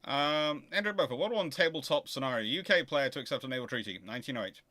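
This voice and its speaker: A man with a medium-pitched voice talks informally as he fields questions from his audience. He is emphatic and opinionated, often restating a point to make it land. His delivery is that of a host speaking off the cuff. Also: expressive, fast talker, pushed and bright. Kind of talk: informal naval history question-and-answer talk.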